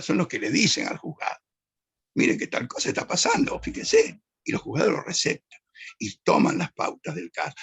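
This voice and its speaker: Older man, gravelly and husky. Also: a little high. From Argentina. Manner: reminiscing, digressive, self-correcting. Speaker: judge, interview guest. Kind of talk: anecdotal interview answer.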